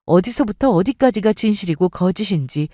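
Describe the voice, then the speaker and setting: A woman narrating a dramatic first-person story with expressive storytelling. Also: mid-range voice, fairly quick, no echo, clean studio sound. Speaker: story reader.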